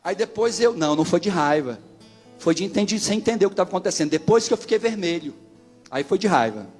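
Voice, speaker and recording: High-voiced Brazilian pastor preaching over guitar. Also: male voice, fast. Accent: Brazilian Portuguese. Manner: animated storytelling, swings into shouting climaxes. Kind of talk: sermon.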